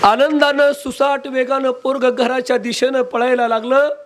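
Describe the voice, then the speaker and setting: A male devotional preacher delivers a storytelling sermon with dramatic, sing-song emphasis. His voice sits high and rises sharply on key words. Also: flat delivery, normal speed, a bit bright, a faint crowd.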